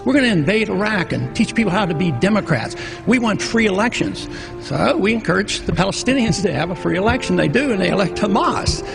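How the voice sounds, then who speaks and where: A man's voice: high-pitched, lively intonation, a little fast, creaky, over music. A man giving a plainspoken political speech, arguing his case with casual fillers.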